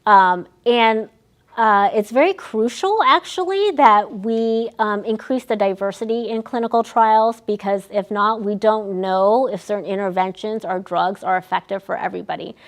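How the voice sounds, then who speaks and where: A woman's voice: mid-range voice, moderate pace. A young adult woman, a research staff member, gives an educational talk to older adults, explaining with frequent ums and restarts. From United States. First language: Vietnamese.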